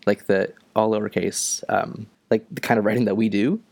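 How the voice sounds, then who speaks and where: A young man from Ontario co-hosting a podcast, chatting casually in a halting way with many fillers. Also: lowish voice, fairly even intonation, gravelly, a little mellow, no room sound. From Ontario, Canada. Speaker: podcast co-host. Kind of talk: casual chat.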